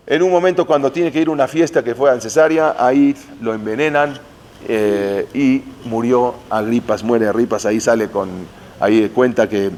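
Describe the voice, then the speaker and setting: A man's voice: medium pitch, a little mellow, a little hiss or hum. A man teaching Jewish history, telling the story dramatically and mixing in Hebrew terms. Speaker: Torah teacher.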